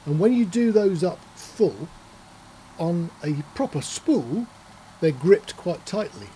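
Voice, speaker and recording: A man's voice: high-pitched, lively intonation, slow pace, dark tone, slight background noise, low-quality recording. A man giving a casual explainer as a presenter, talking in a matter-of-fact, conversational way, step by step. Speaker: presenter of an audio gear channel.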